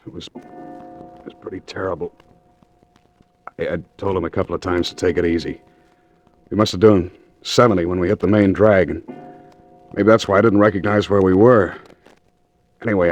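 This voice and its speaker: A man playing a brooding man in a vintage radio drama, speaking low and stammering as he recounts a fatal crash. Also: natural voice. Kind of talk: 1940s radio acting.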